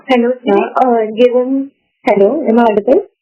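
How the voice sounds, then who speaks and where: A woman's voice: fairly high pitch, steady tone, normal speed, slight background noise. Female analyst on a tinny phone line. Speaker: analyst asking a question. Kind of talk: earnings call question.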